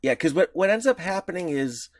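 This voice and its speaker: Talking a little fast, this animated male co-host keeps a podcast conversation loose and rambling, chuckling often as his pitch bounces up and down. There's no echo on the recording.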